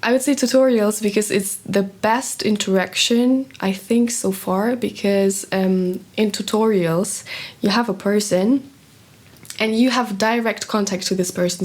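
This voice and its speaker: A young woman from Russia chats about her studies in a relaxed interview. Her voice sits at an ordinary middle pitch, and she often leans on fillers like "you know". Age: young adult. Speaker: psychology student, interviewee. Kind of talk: casual interview answers.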